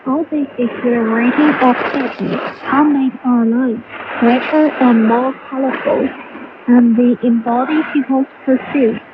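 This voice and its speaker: A woman's voice: on the high side, steady tone, a little slow. A woman radio presenter reading a scripted feature, heard over a shortwave broadcast. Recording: muffled shortwave radio, heavy static and noise.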